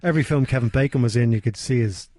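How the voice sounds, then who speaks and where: An Irish man guesting on a comedy podcast, dropping dry, deadpan jokes in an even middle register. His voice sits close and dry on a studio mic. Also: medium pitch, fast, dry recording. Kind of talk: casual comedy podcast chat.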